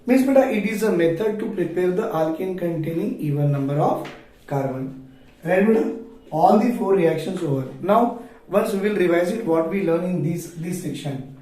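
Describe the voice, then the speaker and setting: In a very echoey room, some distance from the microphone, a man with a South Asian accent delivers a classroom lesson. His voice is high for a man. He poses questions, answers them himself and repeats key phrases for his students. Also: animated, moderate pace, warm tone. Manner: repeats phrases for emphasis, addresses students affectionately. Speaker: chemistry teacher. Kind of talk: classroom lecture for a video lesson.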